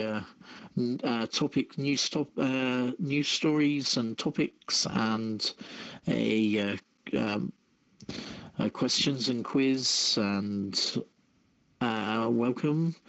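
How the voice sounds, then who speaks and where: A man hosts a casual online radio show, mixing news stories with chat. His delivery is very slow and hesitant, broken up as he feels for the next word. His voice sits at an average pitch. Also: gravelly, fairly bright tone, poor audio.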